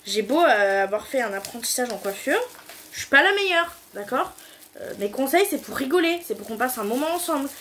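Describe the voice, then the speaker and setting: A woman's voice: sits high, expressive, a little fast, a bit bright, slight background noise. A young woman with a southern French accent chatting casually at home while doing a DIY hair treatment, giggling and swearing loosely. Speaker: beauty vlogger. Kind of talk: casual chat.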